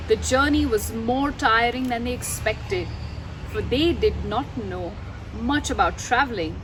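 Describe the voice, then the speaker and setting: A woman reading a story aloud to children outdoors, expressive and often putting questions to her listeners. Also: fairly high pitch. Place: outdoors under a mango tree. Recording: noisy outdoor recording.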